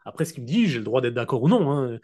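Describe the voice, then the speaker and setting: Speaking into a computer mic on a video call, a man coaches his network marketing team with a casual, direct motivational talk. His mid-range voice is sing-song and darkish. He keeps checking that listeners follow him and slows down to dictate key points.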